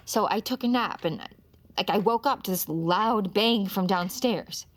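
An actress playing a frantic, grieving mother who stammers and rises to desperate shouts under police questioning. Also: mid-range voice, measured pace, natural voice. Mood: anxious.

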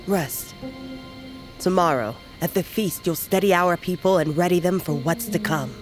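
An actress playing an old tribal seer, calm, fatalistic and measured, in a fantasy audio drama. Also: female voice, on the low side, natural voice. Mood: solemn, steady. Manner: solemn, measured, cryptic. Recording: music underneath.

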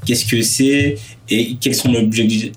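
A man's voice: mid-range voice, steady tone, slow, far from the mic. A man in his twenties answering interview questions in a hesitant way, with many fillers and restarts. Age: 20s. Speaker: podcast guest, student entrepreneur.

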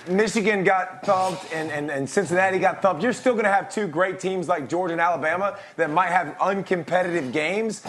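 A man working as a sports analyst, energetic and emphatic in a sports talk debate. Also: high voice.

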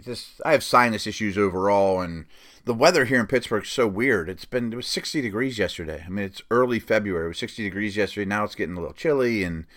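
A man's voice: fairly low pitch, fast talker, a bit bright. A stuffed-up man hosting a casual football podcast on his own, talking in a loose, rambling way full of fillers and self-corrections. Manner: rambling, lots of fillers and restarts. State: sniffly, stuffed up. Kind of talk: casual solo sports commentary.

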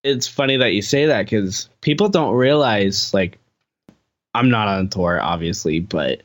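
A man's voice: lowish voice, unhurried. Laid-back young man, filler-heavy chat. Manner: rambling, heavy use of filler "like". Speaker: guest musician. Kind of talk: casual podcast conversation.

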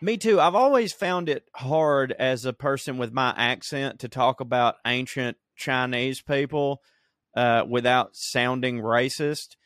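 Male podcast co-host, mid pitch, profane and rambling, dry close sound. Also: a little slow, a bit bright, no room sound. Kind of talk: casual comedic chat. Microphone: remote recording.

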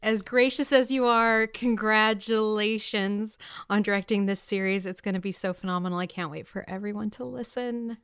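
A woman's voice: mid-range voice, fairly even intonation, moderate pace, fairly bright tone, clean tone. A woman hosting an upbeat promotional podcast interview in a gushing, enthusiastic manner. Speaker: podcast host interviewing a guest.

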